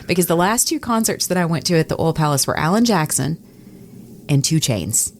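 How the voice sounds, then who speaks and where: A woman's voice: sits low, expressive, a little fast, slight background noise. A woman chatting casually as a co-host on a radio-style talk podcast. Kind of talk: casual conversational chat.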